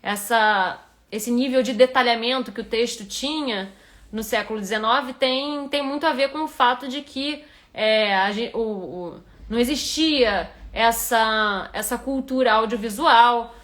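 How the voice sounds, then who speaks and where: She's a writing instructor from Rio de Janeiro, whose Portuguese accent marks her live critique of a reader's manuscript, which she works through aloud with many restarts. Her pitch is fairly high, her delivery unhurried and a bit bright.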